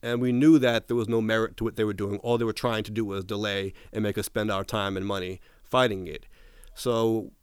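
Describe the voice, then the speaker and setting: Man, interview guest, low voice, clear tone, casual storytelling, frequent restarts. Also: level tone, fairly quick, no echo, studio quality. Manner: detailed retelling with frequent restarts, quoting others.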